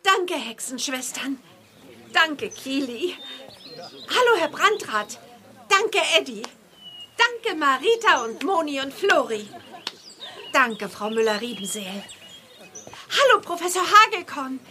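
An actress playing a lively young witch girl in a children's audio drama. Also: sits high, slow, pauses often, full character voice. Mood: grateful.

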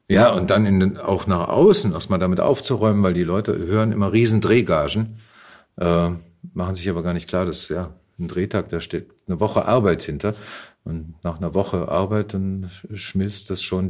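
Low-voiced middle-aged man, casually recounting. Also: moderate pace, darkish tone. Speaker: podcast guest, actor and voice actor. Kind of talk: casual conversational interview, recounting.

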